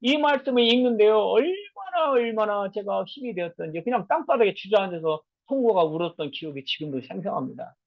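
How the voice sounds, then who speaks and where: A male missionary preacher giving a sermon, telling a personal story emotionally and swinging between soft and loud delivery. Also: high voice, very animated, brisk, few pauses, dry recording. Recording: dull lo-fi dry recording.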